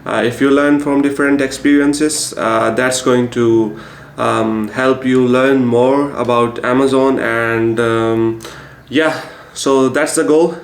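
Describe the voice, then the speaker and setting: Flat-toned Pakistani-accented man, echoey room. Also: mid-range voice, slow pace. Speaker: YouTube host and Amazon business instructor. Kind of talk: casual talk to camera. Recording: echoey room with faint noise.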